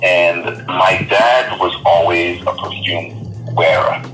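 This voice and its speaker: A man from Trinidad and Tobago, a podcast guest, telling stories in a relaxed, casual way with many restarts. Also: low voice, slow, faint music behind, poor audio. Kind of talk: casual interview storytelling.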